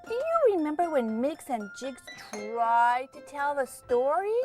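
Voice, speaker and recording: Casting: excited little puppet, extremely high and animated, friendly and gushing, light music behind. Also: female voice, unhurried. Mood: friendly, enthusiastic. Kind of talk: children's puppet show acting.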